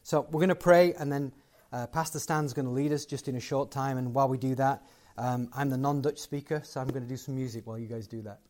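A man's voice: mid-range voice, fairly even intonation, quick pace, hardly any pauses, a little mellow. A man giving a closing sermon and prayer to a live gathering, conversational and building to emphatic points. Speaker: guest preacher.

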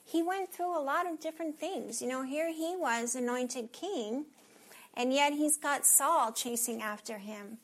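Female preacher, slow and measured delivery, earnest, drops to a hush for emphasis. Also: high voice. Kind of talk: sermon.

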